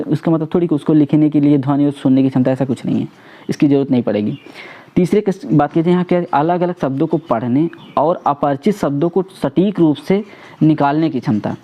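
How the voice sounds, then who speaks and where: Fast-talking man teaching an exam lesson. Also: on the high side, dark tone. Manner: asks and answers own questions, mixing English words. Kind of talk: Hindi exam prep lecture.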